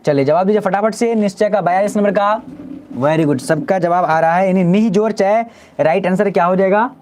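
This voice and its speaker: A man teaches a live online exam-prep class. He asks question after question at a brisk clip and repeats each answer back to his students. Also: high voice, a little mellow.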